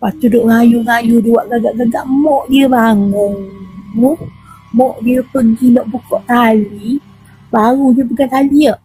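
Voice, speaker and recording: Woman storyteller, Terengganu Malay accent, slightly high but mellow voice, animated, acts out sounds. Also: a little slow, breathy edge, faint music behind. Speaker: guest recounting a spirit healing. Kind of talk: casual storytelling of a true horror experience.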